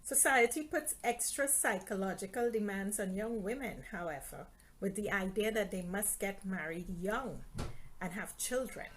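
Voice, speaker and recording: A woman's voice: mid-range voice, moderate pace, a bit bright, low-quality recording. A middle-aged woman from Trinidad and Tobago, an author chatting on a live stream about her books and reading her novel's introduction aloud. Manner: friendly, chatty, reads aloud from her book.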